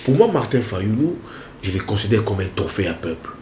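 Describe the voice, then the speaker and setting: Congolese guy, lowish voice that swings up and down a lot, keeps repeating himself for emphasis, echoey room. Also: sing-song, fairly quick, a little mellow. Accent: Congolese French. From Central Kongo, DR Congo. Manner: emphatic, repeats phrases, mixes French and Lingala. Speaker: political analyst guest. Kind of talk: animated interview answers. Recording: echoey room with faint noise.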